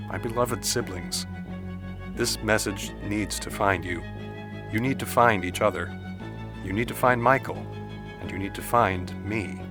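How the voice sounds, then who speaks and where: An actor playing a dead man's trapped, anguished spirit who reads a letter in measured, formal diction in an audio drama. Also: fairly low pitch, close to an everyday voice. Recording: music under the voice.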